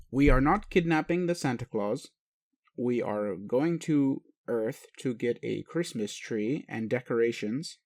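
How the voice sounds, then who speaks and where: A man playing a gentle, doting blue-skinned alien caretaker in a roleplay audio, rambling playfully and speaking tenderly to the listener. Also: medium pitch, close to an everyday voice. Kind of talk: soft roleplay monologue to a listener.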